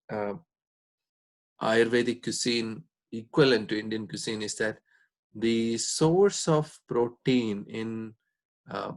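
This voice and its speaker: A man giving an informal explanatory talk as a doctor, speaking in a measured, hesitant way with frequent pauses. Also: medium pitch.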